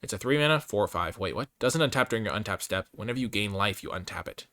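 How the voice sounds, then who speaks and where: Male host, casual game review, very lively intonation, bright forceful tone, dry close sound. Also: lowish voice, fast talker, no room sound. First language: English. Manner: opinionated, thinks aloud, hedging and revising his grades. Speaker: host reviewing trading card game cards. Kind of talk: casual off-the-cuff card review commentary.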